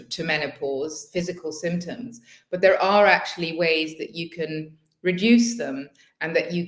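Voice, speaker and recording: A woman's voice: on the low side, roomy sound. A woman from Switzerland in her fifties with a British-schooled English accent, a podcast guest who talks in a hesitant, reflective way with many restarts. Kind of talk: casual podcast conversation.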